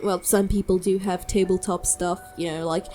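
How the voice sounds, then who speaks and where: A woman who is sick, chatting informally and enthusiastically in a rambling, halting way, as if on a solo podcast. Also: on the low side, level tone, dark tone, soft background music. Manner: hesitant, halting, rambling delivery; informal, enthusiastic, mild swearing. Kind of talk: casual rambling chat.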